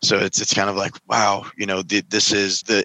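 In an American accent, a man with a fairly low pitch and a bright, sharp tone talks at a fairly quick pace, the sound dry and close with no echo. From Denver, Colorado, US. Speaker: software sales executive. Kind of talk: interview.

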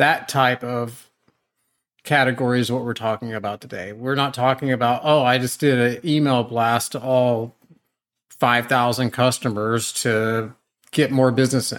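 This man has a medium pitch and a plain, everyday voice. He talks at a fairly slow pace with fairly even intonation. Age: 40s. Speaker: pool business owner. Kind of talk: casual chat.

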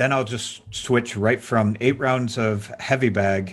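A man speaks at a medium pitch in a normal speaking voice. His pace is fairly slow, and his pitch varies in an ordinary way. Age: 40s. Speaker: professor and strength instructor. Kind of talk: casual chat.

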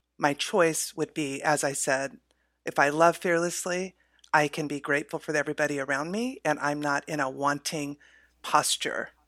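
A woman talks at a moderate pace in a very deep, low voice with fairly even intonation. The recording is very clean, with a silent background and a dry, close sound with no echo. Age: 50s. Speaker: school administrator. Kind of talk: testimony.

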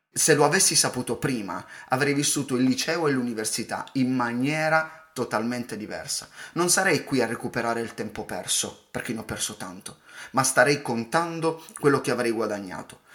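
Moving at a moderate pace, a man with a plain, everyday voice speaks at medium pitch with ordinary pitch variation. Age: 30s. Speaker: podcast host, youth leadership coach. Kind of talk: motivational monologue.

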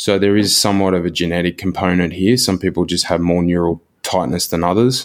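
A man with an Australian accent, very deep and low-pitched, at a fairly quick pace, with fairly even intonation, very even loudness and hardly any pauses. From Australia, small country town. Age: 30s. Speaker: physiotherapist. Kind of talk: casual interview.

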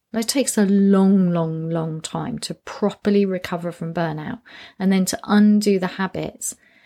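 This is a woman speaking at a moderate pace in a medium pitch. The recording is very clean with a silent background. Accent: British. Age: 50s. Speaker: coach and podcaster. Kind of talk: solo reflective monologue.

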